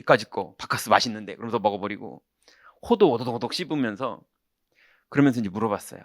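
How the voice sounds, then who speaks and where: Lively Korean pastor telling a story. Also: male voice, medium pitch, no echo, clean studio sound. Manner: animated, acts out quoted voices, shouts punchlines. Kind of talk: sermon with storytelling. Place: church sanctuary.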